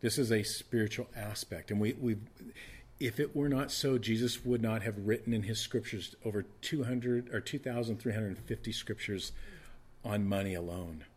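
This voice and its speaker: A man's voice: fairly low pitch, steady tone, normal speed, husky. A man in his fifties preaching a casual, conversational sermon, often restarting and repeating words. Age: 50s. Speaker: pastor.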